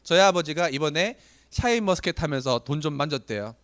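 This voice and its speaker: A man in his late twenties or thirties, giving a motivational business talk to trainees, telling stories animatedly with self-deprecating jokes, his voice getting hoarse. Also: fairly high pitch, animated, fairly quick, a bit bright. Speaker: business seminar speaker.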